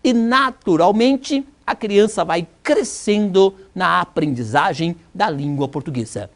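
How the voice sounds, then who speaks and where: A woman's voice: fairly low pitch, lively intonation, unhurried. A woman with a Brazilian accent giving a recorded university lecture, teaching by rhetorical questions and emphatic repetition. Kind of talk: recorded distance-learning lecture.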